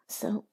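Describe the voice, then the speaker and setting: A woman talking in a hushed, breathy, intimate whisper, rambling along in a reassuring, comforting way as if to one listener. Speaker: audio creator speaking to listener.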